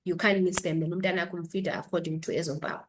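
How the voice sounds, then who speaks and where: A woman's voice: on the low side, fairly even intonation, very fast, slight background noise. A woman doctor with a South African accent explaining health advice as an interview guest, instructive and switching between two languages.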